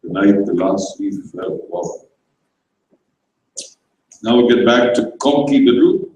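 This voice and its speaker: A man's voice: lowish voice, wildly swooping pitch, takes it slowly, darkish tone, a little hiss or hum. Brief: older male narrator, wry and chatty, far from the mic in a very reverberant hall. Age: 50s or older. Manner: chatty, wry asides to audience. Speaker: stage reader. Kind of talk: dramatized story reading with asides. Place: stage at arts festival.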